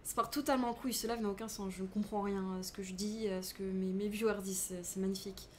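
A woman's voice: mid-range voice, steady tone, fast talker, a little hiss or hum. A young woman streaming live from her room, chatting loosely and answering viewers with frequent laughter.

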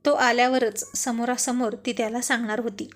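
A woman reading a serialized love story aloud in a steady narrating voice. Her pitch sits a little high for a woman. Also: moderate pace.

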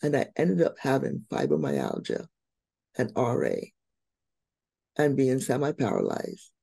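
A middle-aged woman from Barbados, a guest on a video call who tells her life story with warm, expressive emphasis. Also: rumbling low, unhurried, creaky, breathy edge, no room sound. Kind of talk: interview storytelling.

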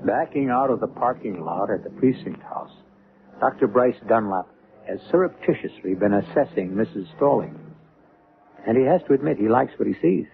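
A man narrating an old-time radio mystery drama as its host, in a theatrical, deliberate way. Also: medium pitch, animated, creaky, slight background noise. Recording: muffled, lo-fi old radio broadcast. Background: music.

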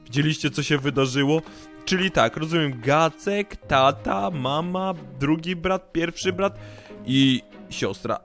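A young man giving excited let's-play commentary, animated and often breaking into shouted, panicky outbursts. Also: fairly high pitch. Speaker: gaming YouTuber.

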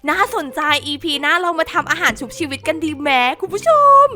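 A young woman giving excitable, laughing commentary while playing a life-sim game, often exclaiming to her viewers. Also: sits high, quick pace. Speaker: gaming YouTuber. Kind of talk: Let's Play commentary. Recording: music bed behind the voice. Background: game music.

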